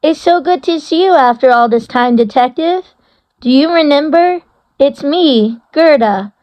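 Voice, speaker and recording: A woman's voice: sits high, expressive, measured pace. A woman voicing a sweet, friendly, earnest young heroine in an amateur fairy-tale game dub. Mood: glad, earnest. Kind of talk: amateur game fandub acting. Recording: dull, lo-fi audio.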